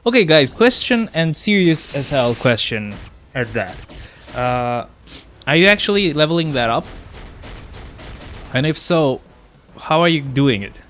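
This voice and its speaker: A man's voice: a little high, very animated, a little slow, fairly bright tone, slight background noise. Stuffy-nosed young man streaming a game. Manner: chatty, easily exasperated, talks to chat. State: stuffy nose from a cold. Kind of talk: casual live-stream chat.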